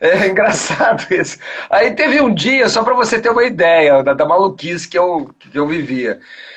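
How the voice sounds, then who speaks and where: Speaking at a moderate pace, a man with a high pitch swings his voice very widely up and down. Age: 60s. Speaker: actor and voice actor. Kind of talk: interview. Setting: live stream. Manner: halting.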